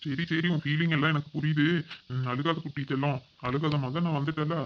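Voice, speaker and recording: A man's voice: fairly high pitch, fairly even intonation, a little fast, dull audio, slight background noise, lightly acted. A man voicing a young husband back from abroad in a cartoon, tenderly soothing his tearful wife. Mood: doting, soothing. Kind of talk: cartoon voice acting.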